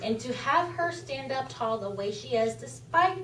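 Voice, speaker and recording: A woman talks at a fairly slow pace. Room echo is audible, and there is noticeable background noise. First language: Spanish. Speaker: charity founder, speaker. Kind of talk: presentation to a club.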